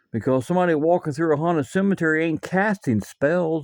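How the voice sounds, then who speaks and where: With lively intonation, a man with a fairly high-pitched voice speaks in a dry, close sound with no echo. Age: 60s. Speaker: vlogger. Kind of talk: casual monologue vlog. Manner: halting.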